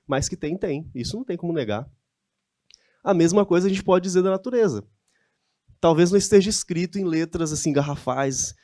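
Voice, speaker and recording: Speaking in a mid-range, darkish voice, a man with a Brazilian Portuguese accent delivers a conversational lecture at a church, accompanied by slides. He often throws rhetorical questions at the audience, and the studio-quality recording has no room sound.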